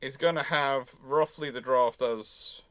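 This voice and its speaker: Guy thinking out loud on a live history q&a, mid pitch, very dry sound. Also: a little slow, no echo. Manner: discursive, self-correcting, thinks aloud. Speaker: naval history host answering audience questions. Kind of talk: unscripted live question-and-answer talk.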